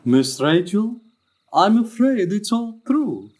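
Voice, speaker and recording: An actor playing a smooth, menacing male drug cartel boss in a drama, mock-polite and gloating. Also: high voice, very animated, slow, darkish tone, heavily acted. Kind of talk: drama villain acting.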